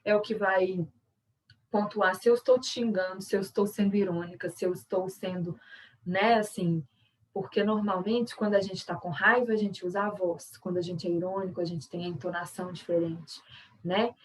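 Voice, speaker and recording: Brazilian woman, workshop teacher, conversational explainer, mid pitch, slightly distant video-call mic. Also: steady tone, normal speed, a little hiss or hum. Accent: Brazilian Portuguese. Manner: explanatory, conversational, many tag questions. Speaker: sign language interpreter and workshop teacher. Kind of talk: online workshop lesson.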